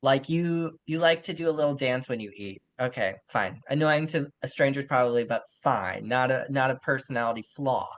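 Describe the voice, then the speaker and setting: A man's voice: mid-range voice, moderate pace, hardly any pauses. A man co-hosting a podcast, discussing books casually in an informal, opinionated way with wry asides. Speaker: podcast co-host.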